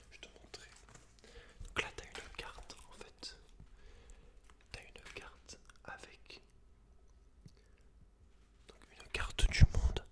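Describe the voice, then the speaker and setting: Male ASMR host: whispered, unhurried delivery, hushed and intimate, chatting and reading to one person. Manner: soft, hushed, intimate address to one listener.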